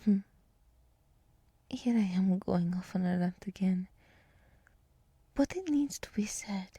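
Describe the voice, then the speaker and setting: A woman voicing a gentle, soothing deer woman who guides meditation in a whispered ASMR roleplay, speaking softly and reassuringly close to the microphone. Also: mid-range voice, expressive, no room sound, exaggerated voice. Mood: earnest, tender. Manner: slow, soft, breathy, reassuring. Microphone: close microphone, dry.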